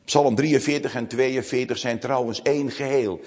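A man preaching a sermon to his congregation, slow and solemn, with dramatic pauses. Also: mid-range voice, fairly even intonation, a little mellow. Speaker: pastor. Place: church. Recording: long reverb of a church hall.

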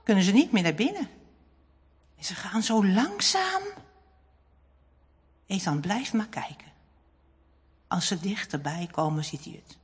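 A woman narrating a children's storybook in an expressive, dramatic reading. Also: medium pitch, measured pace, pauses often, slightly rough. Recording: long hall reverb.

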